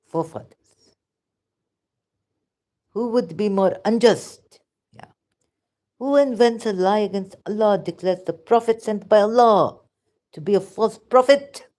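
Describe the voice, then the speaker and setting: A woman's voice: deep voice, mellow. A woman with a Pakistani accent giving rambling, sarcastic religious commentary in broken English. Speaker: vlogger.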